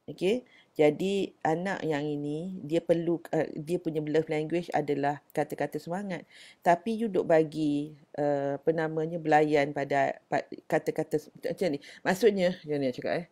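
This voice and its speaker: A middle-aged Malaysian woman hosting a casual parenting talk, giving gentle advice in Malay mixed with English and answering viewers' questions. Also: low-pitched, moderate pace.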